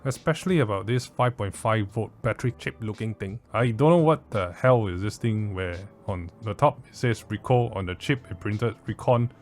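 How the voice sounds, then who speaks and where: A man's voice: fairly low pitch, normal speed, few pauses, darkish tone. A man with a Southeast Asian accent giving a casual product review in a blunt, informal, mildly sweary way. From Southeast Asia. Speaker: audio gear reviewer.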